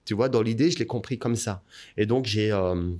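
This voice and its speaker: A man, a guest telling a personal story in an interview, his voice rising as the story builds. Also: normal speed. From Belgium. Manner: animated storyteller, rising pitch as the story heats up.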